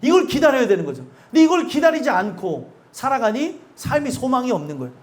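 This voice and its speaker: High-voiced, lively male pastor preaching. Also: quick pace. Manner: emphatic and conversational, often asking the congregation questions; acts out quoted speakers with sudden drops in pitch and loudness. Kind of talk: sermon.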